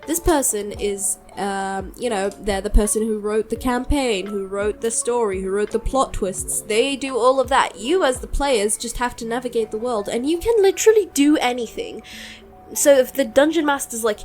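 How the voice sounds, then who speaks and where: A woman who is sick, chatting informally and enthusiastically in a rambling, halting way, as if on a solo podcast. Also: a little high, a little mellow, faint music behind. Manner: hesitant, halting, rambling delivery; informal, enthusiastic, mild swearing. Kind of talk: casual rambling chat.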